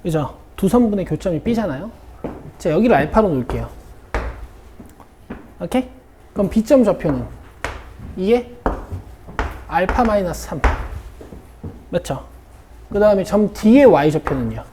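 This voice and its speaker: Lively woman teaching a math class. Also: fairly low pitch, unhurried, pauses often, a little hiss or hum. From South Korea. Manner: checks in with students constantly. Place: academy classroom.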